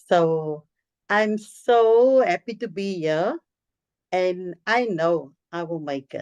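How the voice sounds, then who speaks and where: Speaking at a very slow pace, a woman uses a medium pitch and lively intonation. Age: 60s. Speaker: course participant. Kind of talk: testimony; question. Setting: video call.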